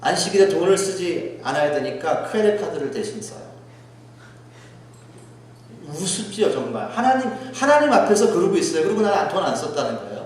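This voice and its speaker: Man preaching a sermon, high voice, booming church echo from far off. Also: sing-song, brisk, slight background noise. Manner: dramatic, acts out quoted speech in a raised voice. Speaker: pastor. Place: church sanctuary.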